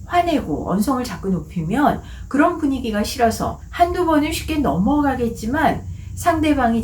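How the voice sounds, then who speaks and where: A woman hosting a book channel, giving a calm, clearly articulated talk on conversation tips from her office. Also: on the high side, slight background noise. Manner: calm, clearly articulated, acts out short quoted lines. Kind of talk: scripted explanatory talk.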